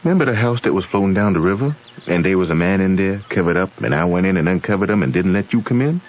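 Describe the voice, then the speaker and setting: Very deep, steadfast Southern man. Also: animated, fast, dull audio, a little hiss or hum. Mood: earnest, kindly. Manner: folksy, earnest. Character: steadfast, kindly Southern runaway slave, grown man. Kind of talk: radio drama acting.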